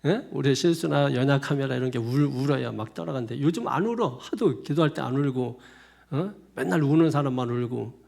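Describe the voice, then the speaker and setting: Brisk and mid-range, with vocal fry and a darkish tone, this pastor preaches in a casual, conversational style. He's repetitive and colloquial, frequently laughing at his own asides.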